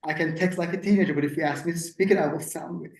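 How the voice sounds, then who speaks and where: A woman's voice: on the low side, steady tone, racing. A woman from Turkey, a native Turkish speaker, chatting casually at a community meeting with laughing asides and frequent fillers. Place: council meeting room. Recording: echoey meeting room from far off.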